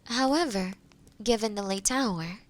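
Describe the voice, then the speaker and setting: A woman playing a kind, solitary forest witch in a fantasy audio roleplay, speaking softly and sometimes breathily to the listener in formal, thoughtful, hesitant phrases. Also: medium pitch, a little slow, lightly acted. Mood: gently insistent. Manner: formal, old-fashioned wording, thoughtful and hesitant.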